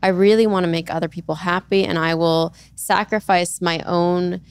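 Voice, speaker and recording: A young woman hosting a podcast, telling a story in an earnest, lively way on a studio mic. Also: on the low side, moderate pace, smooth, no echo. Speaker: podcast host. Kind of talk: casual conversational interview. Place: bright studio with leather armchairs. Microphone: studio mic on boom arm.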